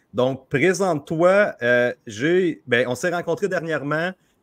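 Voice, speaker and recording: Very slow speech from a man with a fairly high pitch and lively intonation. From Quebec. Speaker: former police officer, online show host. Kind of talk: interview. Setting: live stream.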